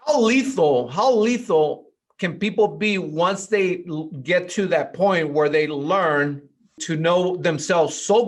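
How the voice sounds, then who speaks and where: A man hosts a casual podcast interview. His voice sits high, and he talks eagerly, agrees often and restarts his words. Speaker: podcast host.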